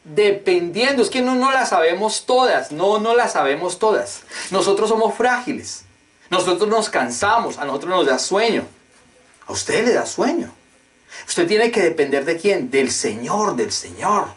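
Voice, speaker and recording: A man's voice: high voice, sing-song, a little slow, a bit bright. A male pastor preaching a sermon with emphatic, emotional delivery, repeatedly throwing questions at his congregation. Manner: rhetorical call-and-response questions.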